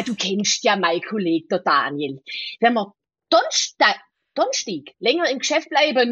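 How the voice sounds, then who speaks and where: A woman voicing a chatty Swabian office worker in a put-on Swabian accent, reading haltingly in broad dialect. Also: a little high, slightly rough, no echo, highs cut off.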